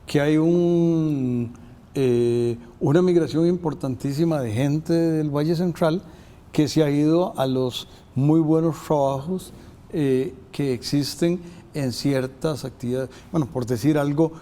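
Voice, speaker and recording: An older man from Costa Rica hosting a university interview program, talking in a halting way with many filler sounds. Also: a little high, mellow. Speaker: host.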